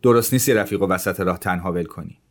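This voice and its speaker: A man's voice: deep voice, close to an everyday voice. A man voicing a brave, resolute young officer who talks in an urgent, commanding way. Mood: determined. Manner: urgent, commanding, loud in tense moments.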